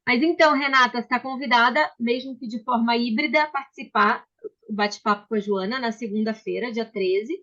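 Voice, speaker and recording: A woman's voice: a little high, a little fast, a bit bright. A woman hosting a book club on a video call, chatty and welcoming, with frequent restarts. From Brazil. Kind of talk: casual video call chat. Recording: slightly dull video call audio.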